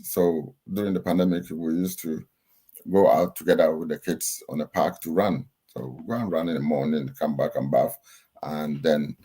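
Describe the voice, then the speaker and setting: A middle-aged man with a Ghanaian accent, giving steady, instructive interview answers with frequent pauses and fillers. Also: low-pitched. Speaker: guest, chartered accountant and lecturer.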